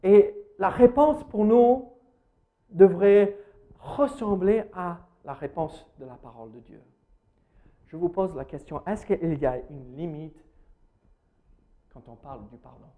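This American-accented pastor delivers his sermon in a church hall with a high, mellow voice at a measured pace, pausing often. Hesitant and full of fillers, he keeps questioning the audience.

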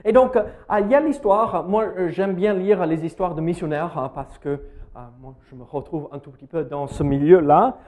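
A man's voice: on the high side, normal speed, darkish tone. A man with an American accent giving a sermon in a church hall. He hesitates a lot with fillers and puts questions to his listeners. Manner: hesitant, many fillers, asks the audience questions. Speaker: pastor.

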